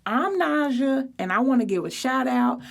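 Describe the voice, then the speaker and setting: A woman's voice: sits high, expressive, normal speed, gravelly, voice pushed up, full character voice. A woman voicing a brash, boastful teenage girl with a sassy, snappy, slangy delivery in a storybook reading. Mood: loud, sassy.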